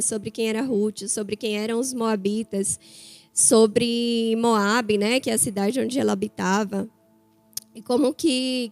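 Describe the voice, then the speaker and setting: A guest preacher from Bahia, Brazil, in her thirties, gives a conversational sermon full of stories to a church, her Bahian Portuguese accent clear. Her voice is a little high and a little mellow.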